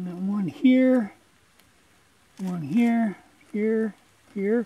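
The pace is very slow. A man speaks in a dry sound with no echo. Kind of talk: casual vlog chat. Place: open country.

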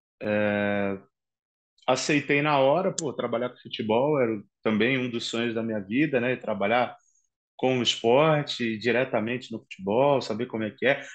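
The pace is moderate and the pitch varies in an ordinary way, all over a quiet background. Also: man, medium pitch for a man. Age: 20s. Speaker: journalist and sports commentator; interview guest, journalist, narrator. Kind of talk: casual interview chat. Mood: relaxed, friendly. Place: home room.

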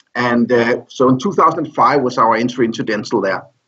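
A man talks at a fairly slow pace with a Danish accent. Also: quiet background. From Denmark. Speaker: dental tech company executive. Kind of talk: interview. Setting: dental convention in Chicago. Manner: halting, many fillers. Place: office. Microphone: video call.

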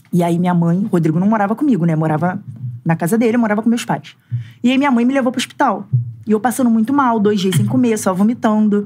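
The speaker goes at a very fast pace with lively intonation and very even loudness over a quiet background. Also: woman. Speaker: football fan, guest's wife; guest. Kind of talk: casual chat. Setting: studio. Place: studio. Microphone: studio mic.

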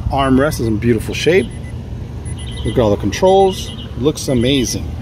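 The sound is dry with no echo as a man speaks over noticeable background noise. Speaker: car seller. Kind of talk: walkaround sales commentary. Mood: upbeat, approving. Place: street. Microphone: phone near.

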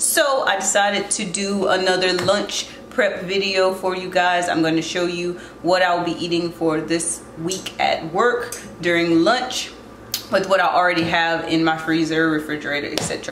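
Against light background noise and audible room echo, a woman talks in a fairly low pitch with fairly even intonation. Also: moderate pace. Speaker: home cook vlogger. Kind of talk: casual cooking tutorial. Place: kitchen. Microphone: phone near.

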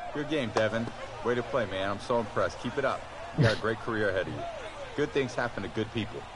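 Amid loud background noise, a man puts on a robotic character voice at medium pitch, talking at a very fast pace. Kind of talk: scripted game cutscene dialogue. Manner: monotone. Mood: warm, approving, sportsmanlike.

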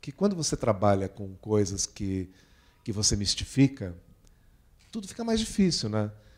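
In a quiet background, a man with a fairly low pitch talks at a moderate pace with ordinary pitch variation. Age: 50s. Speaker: writer and journalist; guest. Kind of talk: talk at a book event with Q&A; interview answer. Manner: halting. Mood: relaxed, reflective. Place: stage. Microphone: handheld.

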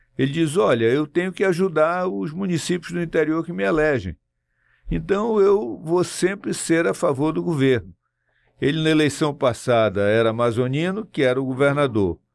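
The recording is dry with no echo, and a man speaks at a moderate pace. His fairly high voice makes very wide pitch swings. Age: 70s. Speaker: politician. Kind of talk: interview. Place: studio. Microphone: studio mic.

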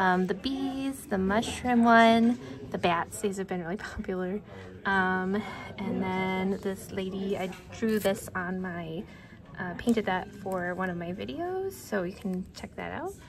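Noticeable background noise sits behind a woman speaking at a fairly slow pace. Her pitch varies in an ordinary way. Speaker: illustrator vendor. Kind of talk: casual vlog chat. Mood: cheerful. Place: hall. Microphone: phone near.

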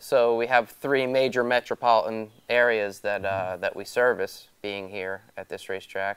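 The background is quiet. In a normal speaking voice, a man talks at a moderate pace with fairly even intonation. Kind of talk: interview answer. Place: garage. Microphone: lapel.

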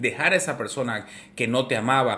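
The tone is bright and sharp. Speech moves at a moderate pace. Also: man. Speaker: relationship coach. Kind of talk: advice monologue to camera. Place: home room.

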